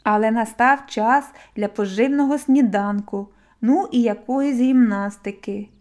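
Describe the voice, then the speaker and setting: A woman voicing a calm, friendly, sporty forest animal who speaks matter-of-factly. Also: on the high side, a little slow, lightly acted.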